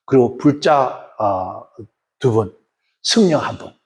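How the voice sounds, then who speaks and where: A male pastor preaching a sermon with animated, folksy storytelling. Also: medium pitch, slow.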